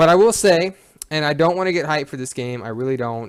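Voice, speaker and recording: A man delivers lively intonation while talking very fast. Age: young. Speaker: gaming youtuber. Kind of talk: casual commentary video. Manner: stutters a little; casual, filler-heavy.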